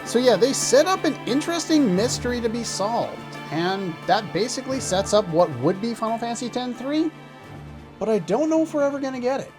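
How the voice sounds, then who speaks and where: A woman's voice: on the high side, expressive, brisk. A woman hosting a let's play, giving casual, opinionated and sarcastic reaction commentary. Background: loud game soundtrack music.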